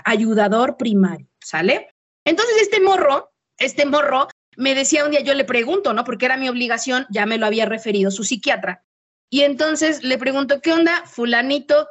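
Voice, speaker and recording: Mexican woman, podcast host, high voice, slangy and playful. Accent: Mexican Spanish. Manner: slangy, playful, swings into lively voiced quotes. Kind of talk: casual podcast chat.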